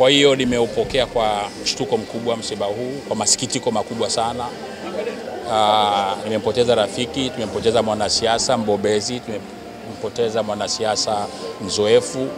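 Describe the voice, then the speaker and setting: A man talks at a moderate pace in monotone, flat intonation. There is noticeable background noise. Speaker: politician giving condolence remarks. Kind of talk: interview answer. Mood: somber, grieving. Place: street. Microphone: handheld.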